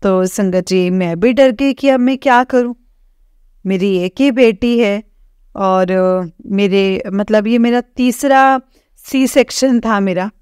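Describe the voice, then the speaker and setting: A young woman from Jammu shares a personal testimony with a spiritual gathering. She speaks slowly in a smooth, clean voice, recorded close and dry. Her telling is halting, full of fillers and repeated phrases. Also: medium pitch, darkish tone, no room sound. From Jammu, India. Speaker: devotee sharing testimony.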